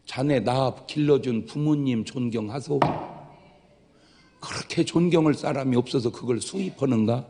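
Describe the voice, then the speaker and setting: A middle-aged male pastor preaching a lively, joking sermon in casual talk, now and then bursting into loud exclamations in a church sanctuary. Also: medium pitch, moderate pace. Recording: long reverb of a large hall.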